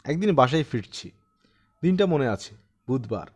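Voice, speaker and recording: A man's voice: medium pitch, sing-song, normal speed, a little mellow. A man voicing a talkative, bookish retired old widower in an audiobook, courteous, insistent and conversational. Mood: reflective.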